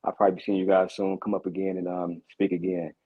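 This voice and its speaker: A man from Detroit calls in over a thin, phone-like line. His voice sits low. He talks earnestly, in short halting fragments. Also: flat delivery, husky. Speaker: caller. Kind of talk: casual live-audio chat.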